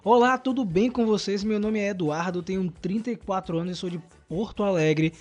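This upbeat Brazilian man co-hosts a casual podcast and reads listener mail aloud with lively emphasis. His voice sits notably high for a man, and faint music plays under him. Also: a little fast, muffled recording. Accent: Brazilian Portuguese. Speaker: podcast co-host. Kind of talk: casual podcast chat, reading listener email.

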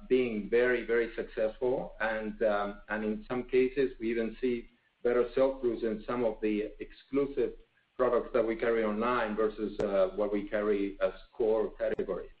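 A man speaking as a company executive, answering off the cuff on an earnings call, halting and full of fillers and pauses. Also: fairly low pitch. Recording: phone-like, echoey conference line.

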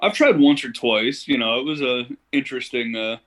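A man's voice: mid-range voice, moderate pace, fairly bright tone. A young man from Ohio, a podcast guest, chatting casually and telling stories in an easygoing way with plenty of "you know.". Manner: easygoing storyteller, uses fillers like "you know". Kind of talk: casual interview chat.

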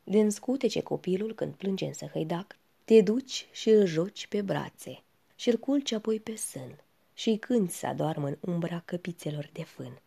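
A woman reciting poetry slowly and softly, often sinking to a whisper. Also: fairly low pitch, expressive, vocal fry, husky. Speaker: reader.

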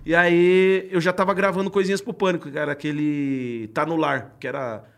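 A man's voice: on the high side, normal speed, gravelly. A man, a comedian and former radio announcer, telling stories in a casual podcast chat with lots of swearing and laughter. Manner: animated storytelling, swearing, laughs often.

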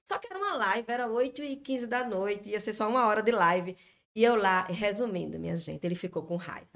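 A woman's voice: mid-range voice, animated, brisk, fairly bright tone. A woman in casual podcast talk, chatting and telling anecdotes about her husband. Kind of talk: casual chat.

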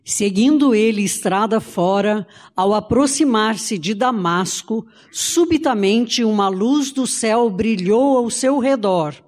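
A woman reading scripture aloud in a measured, even way during a sermon. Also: a little high, long reverb tail. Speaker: scripture reader.

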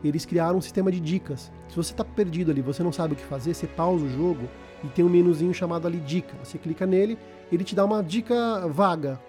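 A man's voice: on the high side, fast, hardly any pauses, darkish tone, soft background music. A man with a Brazilian Portuguese accent explaining a video game in casual, informal podcast talk, repeating words as he goes.

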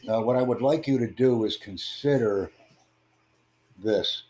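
A man hosting an online voice chat, talking in a formal, measured, promotional way. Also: medium pitch, noisy background. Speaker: host of online conversation. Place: in the United States.

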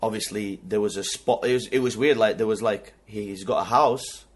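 Husky young man telling a story. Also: fairly low pitch, a little fast. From Pakistan. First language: Urdu. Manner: animated slangy storytelling, heavy use of "like" and "bro". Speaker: podcast host. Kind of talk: casual chat.

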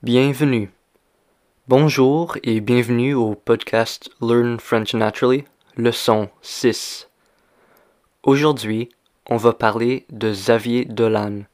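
A man hosting a language lesson, speaking slowly and deliberately and repeating simple phrases for learners. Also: medium pitch, steady tone, a little mellow. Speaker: language teacher. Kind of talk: slow scripted language lesson.

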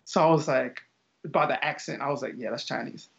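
A man's voice: mid-range voice, steady tone, a little fast, creaky, fairly bright tone. A young man, a teacher, chatting casually as an interview guest, rambling with lots of fillers and restarts. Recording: dull lo-fi audio.

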